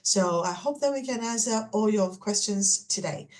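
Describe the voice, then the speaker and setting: A woman's voice: mid-range voice, lively intonation, moderate pace, a little mellow. A middle-aged woman from Hong Kong hosting an online webinar, presenting informally with chatty asides to attendees. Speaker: webinar host and MBA admissions manager. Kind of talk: presenting a webinar, semi-scripted.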